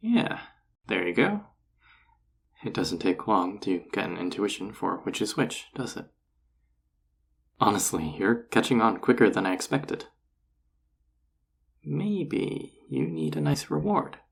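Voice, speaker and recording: A man playing a flirty, encouraging enchanter boss in an intimate roleplay audio drama, teasing and reassuring in a husky, gravelly voice. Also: on the low side, very animated, a little slow, pauses often, full character voice. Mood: flirty, soothing.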